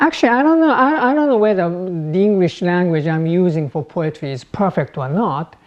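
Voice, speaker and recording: Very wide pitch swings at a fairly quick pace with hardly any pauses, in a Japanese accent. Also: woman, fairly low pitch for a woman. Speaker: poet. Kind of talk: interview. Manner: halting, many restarts.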